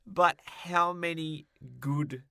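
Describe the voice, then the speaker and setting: A man's voice: fairly high pitch, steady tone, very slow, sharp tone, clean tone. A man co-hosting a podcast, chatting casually with wry, joking commentary. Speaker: podcast co-host. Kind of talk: casual podcast chat about games and film.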